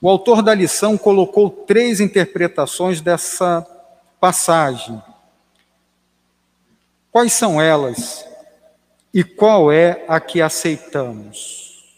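A Brazilian man moderating a Bible study, calmly reading out the questions. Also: sits high, in a large hall. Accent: Brazilian Portuguese. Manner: unhurried, reads out questions.

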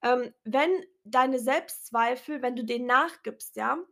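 A woman speaking loudly and earnestly to her viewers in a casual, unedited motivational vlog, her voice a little strained. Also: fairly high pitch, unhurried, creaky. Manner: earnest, encouraging, talks loudly. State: clearing her throat, voice a bit strained. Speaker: vlogger. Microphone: self-recorded, unedited.

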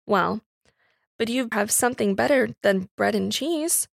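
A woman's voice: a little high, unhurried, vocal fry, dry recording, studio quality, full character voice. Woman reading as a genteel, amused master of the house. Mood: reasoning, advising. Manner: formal, reasoning, gently condescending.

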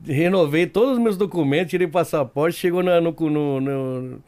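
A man's voice: on the high side, normal speed, a little mellow. A man from Argentina, a restaurant owner, chatting as a podcast guest, easygoing and joking. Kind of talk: casual podcast chat.

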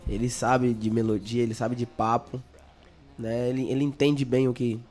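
His medium-pitched, slightly mellow voice moves little in pitch and keeps a normal speed. He's a young Bahian songwriter with a Bahian Brazilian Portuguese accent, joking around as an interview guest and frequently stumbling over repeated words.

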